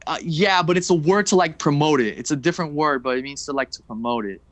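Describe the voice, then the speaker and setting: A man's voice: a little high, quick pace, a bit bright, dry recording. A man hosting a podcast, talking casually in a rambling, loose way with fillers and the odd swear word. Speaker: podcast host.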